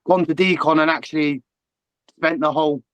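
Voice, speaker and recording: A man with a fairly high voice hosts a casual panel chat, upbeat and a little self-conscious as he introduces his guests. The sound is dry and close, with no room echo. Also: steady tone, normal speed, fairly bright tone. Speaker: channel host.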